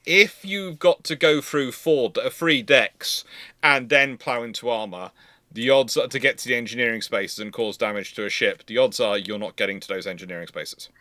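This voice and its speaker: A man hosting a live history Q&A, talking off the cuff in a discursive, halting way with many asides. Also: mid-range voice, pushed and bright, no room sound. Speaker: host of a live naval history Q&A. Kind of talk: unscripted expert discussion.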